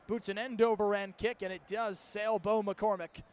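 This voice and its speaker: A man's voice: high-pitched, level tone, moderate pace, a little mellow. A young American man calling live football play-by-play in an emphatic, dramatic way. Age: young adult. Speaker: sports play-by-play announcer. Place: stadium football broadcast.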